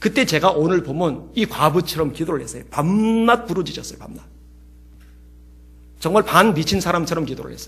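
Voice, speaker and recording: A man with a high pitch talks at a fairly quick pace, his loudness swinging widely. His pitch varies in an ordinary way, and long pauses come often. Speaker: pastor. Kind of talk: sermon. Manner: animated.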